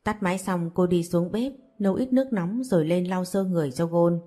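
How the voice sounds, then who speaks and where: A woman storyteller reads the narration in an even, steady manner. Her voice sits on the low side and sounds dark and mellow. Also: fairly quick. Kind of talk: scripted narration.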